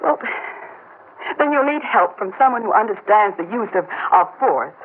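A woman's voice: mid-range voice, lively intonation, normal speed, natural voice. An actress playing a worried wife urging her husband in a 1950s radio drama, pleading and urgent. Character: anxious devoted wife, middle-aged. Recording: narrow-band old radio broadcast, faint hiss.

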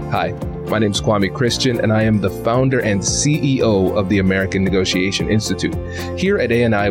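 Low-voiced male podcast host. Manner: polished, promotional delivery. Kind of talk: podcast intro and interviewing.

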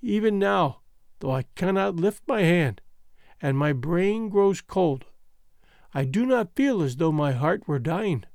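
A man voicing a soft, fading young woman. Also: high-pitched, expressive, slow, vocal fry, no echo, studio quality, heavily acted. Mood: tender, fading. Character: dying young woman, gentle and devoted.

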